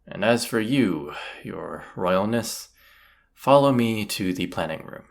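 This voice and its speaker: A man's voice: lowish voice, expressive, slow pace, vocal fry, full character voice. A man playing a cocky, teasing, commanding bandit leader in a roleplay audio drama, casual and swaggering. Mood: rallying, bold. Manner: casual, teasing, swaggering, rhetorical tag questions.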